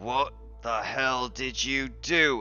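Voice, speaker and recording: A man does a gruff, put-on character voice over clear music in the background. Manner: angry, confrontational.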